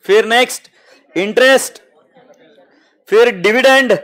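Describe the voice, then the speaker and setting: A man's voice: very high voice, slow pace, a bit bright. A man with an Indian accent teaching accounting to a live class, mixing Hindi and English and calling students "beta" fondly.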